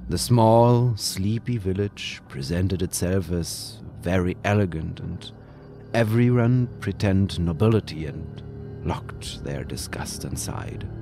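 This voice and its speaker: A man whose first language is German, slowly reading a scripted horror story with deliberate, dramatic pauses. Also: deep voice, creaky, dark tone. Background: music.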